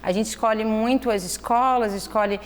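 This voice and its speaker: A woman's voice: fairly high pitch, normal speed. Thoughtful woman explaining, echoey room. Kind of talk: conversational interview. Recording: echoey room with faint noise.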